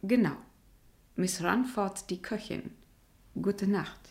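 An actress playing a self-assured upper-class witness, deliberate and formal, in a German crime radio play. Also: female voice, medium pitch, a little mellow.

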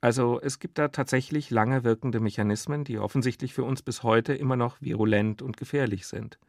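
A man's voice: mid-range voice, steady tone, brisk, gravelly, darkish tone, no echo, clean studio sound. A man moderating a discussion, putting prepared questions in formal, articulate and eloquent phrasing. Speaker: interviewer, moderator.

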